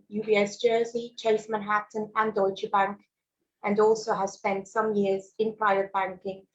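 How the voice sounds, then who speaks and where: The recording is muffled, capturing a medium-pitched woman from Switzerland who grew up speaking German. She leads a mortgage webinar on a video call in an amiable way, with fillers and small laughs along the way.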